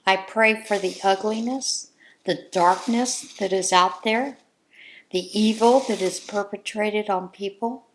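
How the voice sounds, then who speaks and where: Slow, earnest woman chatting at home. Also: mid-range voice, slight background noise. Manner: earnest, measured and heartfelt. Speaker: crafting channel host. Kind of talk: casual opinion chat.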